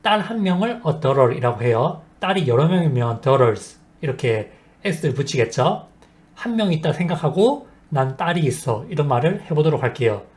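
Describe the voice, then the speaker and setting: A man teaching a basic English lesson, explaining sentence patterns slowly and modeling each example sentence. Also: fairly high pitch, very animated, a little mellow. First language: Korean. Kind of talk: scripted language lesson.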